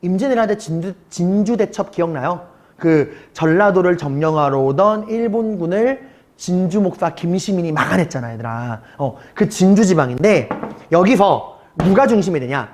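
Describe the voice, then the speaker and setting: A man's voice: sits high, expressive, normal speed, a little mellow, slight background noise. A man teaching a middle school history class in a recorded online lecture, talking to his students casually and asking them rhetorical questions. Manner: switches between polite and casual speech.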